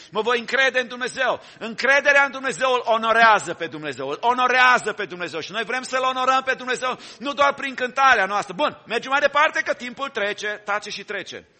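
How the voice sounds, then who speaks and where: A male preacher delivering a fervent sermon, driving his points home through refrains and call-and-response. His voice sits very high for a man and rings bright and sharp. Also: animated, few pauses.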